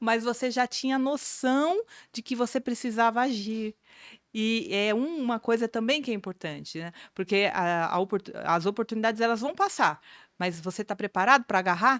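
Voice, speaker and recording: A woman speaks in an unremarkable speaking voice, fairly high-pitched, with lively intonation at a moderate pace, recorded very cleanly against a silent background with a dry, close sound and no echo. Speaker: podcast host. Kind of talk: podcast interview hosting.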